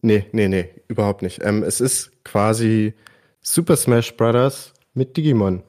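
A man's voice: fairly low pitch, measured pace, a little mellow. A man chatting casually and informally about video games as a podcast guest, using youthful slang. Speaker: podcast guest presenting his favourite games.

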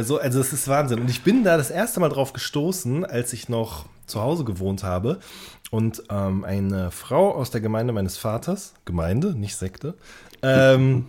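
Low-voiced man chatting. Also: a little mellow. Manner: wordy, self-correcting, circles around his point. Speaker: podcast co-host. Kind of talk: casual conversational podcast chat.

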